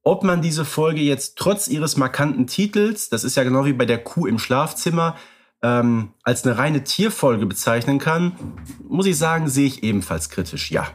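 A man co-hosting a podcast, speaking in a measured and dryly ironic way. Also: mid-range voice, expressive. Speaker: podcast co-host. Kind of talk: casual podcast discussion.

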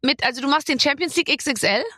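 A woman's voice: sits high, quick pace, pushed and bright, dry recording, studio quality. Chatty, teasing female podcast host. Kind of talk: casual chat.

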